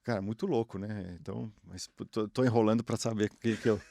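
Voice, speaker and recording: A man's voice: lowish voice, normal speed, creaky, dark tone, dry recording, clean studio sound. Rambling Argentine man with a Brazilian accent. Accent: Brazilian Portuguese. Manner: slangy, rambling, frequent restarts. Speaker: guest, former tennis player. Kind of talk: casual interview chat.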